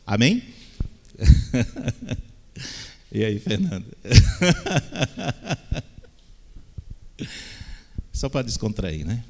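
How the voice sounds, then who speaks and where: A pastor preaching a sermon, often asking the congregation "Amém?" and slipping in light-hearted asides. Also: male voice, on the low side, darkish tone. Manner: call-and-response "Amém?" with playful asides. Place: church hall. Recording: long reverb of a church hall.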